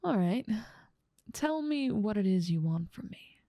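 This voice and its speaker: A woman's voice: mid-range voice, very animated, measured pace, dark tone, no room sound, studio quality. A woman voicing a dominant demon ruler of hell in an ASMR roleplay, teasing, condescending and self-assured. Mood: indulgent.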